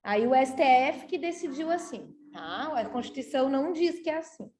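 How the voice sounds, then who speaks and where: Chatty Brazilian woman lecturing, high voice. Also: animated, moderate pace, a crowd in the background. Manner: chatty and explanatory, tags sentences with "tá?". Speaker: law lecturer. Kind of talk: university lecture to a class. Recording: roomy echo.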